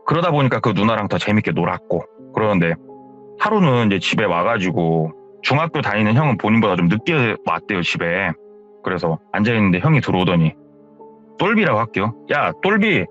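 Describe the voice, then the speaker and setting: A man's voice: on the low side, sing-song, fairly quick, a bit bright, muffled recording, soft background music. A man narrating a horror story in a casual, chatty retelling, as the show's storyteller. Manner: casual spoken retelling, hearsay endings. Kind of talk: retold first-person horror story.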